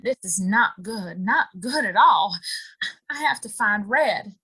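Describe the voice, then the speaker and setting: Plain-spoken young frontier barmaid, female actor, slow and crisp-edged, guarded, skeptical radio-play delivery. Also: medium pitch, lively intonation, pushed and bright, heavily acted, rough recording. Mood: anxious. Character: wary, plain-spoken young saloon serving girl. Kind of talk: audio play acting.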